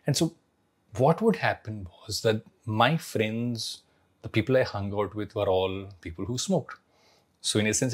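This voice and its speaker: Husky-voiced man in his forties. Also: mid-range voice. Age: 40s. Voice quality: slightly husky, throat clearing. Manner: reflective, emphatic storytelling with pauses. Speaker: founder sharing life lessons. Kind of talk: personal story talk to camera.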